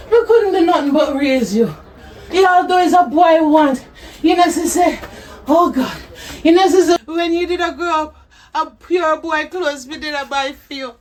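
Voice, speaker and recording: A high-voiced Jamaican mother, played by a woman, sobbing and pleading in drawn-out patois, her cries repeating over and over. She speaks slowly, and the voice sounds somewhat distant from the mic, as in a homemade web drama. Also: darkish tone. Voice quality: wailing, sobbing patois with broken laughter. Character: grieving Jamaican mother, remorseful, overwrought. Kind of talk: amateur web drama acting.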